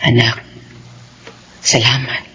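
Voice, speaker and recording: A woman's voice: a bass voice, little pitch movement, takes it slowly, sharp tone, slight background noise, heavily acted. A middle-aged actress playing a humble nanny and mother who speaks timidly and apologizes again and again in a TV drama. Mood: pleading. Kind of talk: TV drama acting.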